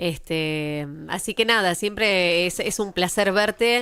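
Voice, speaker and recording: A woman speaks with a Rioplatense accent. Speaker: radio host. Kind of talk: radio interview. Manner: halting.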